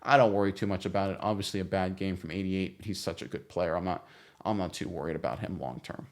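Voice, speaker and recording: Chatty low-voiced male sports host. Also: fast talker. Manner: chatty, frequent restarts and fillers, animated when retelling. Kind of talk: casual commentary reading viewer comments.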